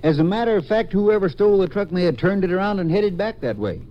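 Earnest, higher-voiced county lawman. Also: expressive, fast. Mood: earnest, businesslike. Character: earnest, practical Texas county lawman, Ranger's partner. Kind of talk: 1950s radio drama acting. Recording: muffled old radio recording.

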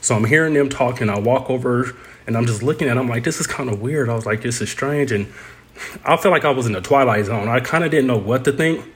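A man's voice: mid-range voice, quick pace, a bit bright, slightly rough. A man telling a personal story in an interview, speaking conversationally and loosely, with many "you know"s and "pretty much"es. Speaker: interview guest.

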